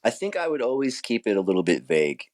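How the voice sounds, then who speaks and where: A man's voice: medium pitch, sing-song, fast, a little mellow. A man speaking casually as an author being interviewed, keen and reflective about his work.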